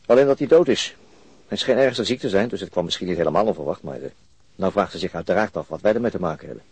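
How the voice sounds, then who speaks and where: An actor playing a world-weary police detective in a radio drama, husky and matter-of-fact. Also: male voice, sits low, lively intonation, fast, a little mellow, no echo, exaggerated voice. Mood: weary, wry. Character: brisk, world-weary male police detective at a crime scene. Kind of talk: naturalistic radio drama acting.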